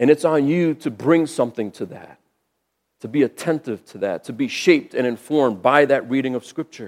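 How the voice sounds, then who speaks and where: Speaking at a fairly quick pace, a man with a fairly high pitch shows big swings in loudness, recorded with a dry, close sound and no echo. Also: ordinary pitch variation. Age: 40s. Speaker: pastor. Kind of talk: sermon. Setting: church. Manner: halting.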